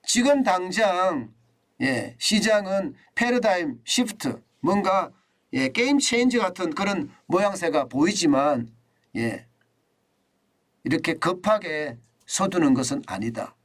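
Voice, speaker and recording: A man's voice: high voice, very animated, measured pace. A middle-aged man giving solo economic commentary, speaking emphatically, repeating key numbers and often starting phrases with a filler "yes.".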